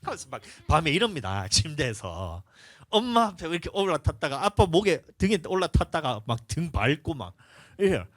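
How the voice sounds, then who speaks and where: Animated male pastor preaching. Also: a little high, fairly quick, dry recording, studio quality. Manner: animated storytelling, acts out dialogue in different voices. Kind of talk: sermon.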